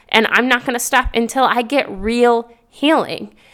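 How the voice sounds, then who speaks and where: A loud, bright, sharp voice, fairly slow with fairly even intonation, in a very clean recording with a silent background. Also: woman. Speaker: podcast host. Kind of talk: solo podcast talk. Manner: warm, encouraging.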